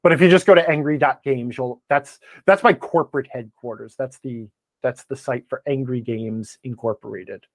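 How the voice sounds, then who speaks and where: An American man chatting casually as a podcast guest, rambling and self-deprecating, with an animated, ranting way of talking. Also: medium pitch, normal speed, no room sound. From Wisconsin, United States. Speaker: podcast guest, blogger and game designer. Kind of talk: casual interview chat.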